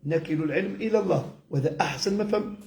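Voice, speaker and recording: Male religious teacher, Tunisian accent, notably high voice. Informal, explanatory delivery that rephrases points, recorded in a reverberant room. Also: rapid-fire, gravelly, darkish tone. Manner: explanatory, repeats and rephrases with everyday examples. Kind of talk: informal religious lesson mixing classical Arabic and dialect. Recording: echoey room.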